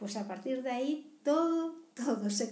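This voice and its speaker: A woman with a dark, mellow tone and a somewhat breathy voice shows ordinary pitch variation in a room with audible echo. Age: 50s. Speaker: mother recording a personal video diary. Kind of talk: personal video diary. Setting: at home.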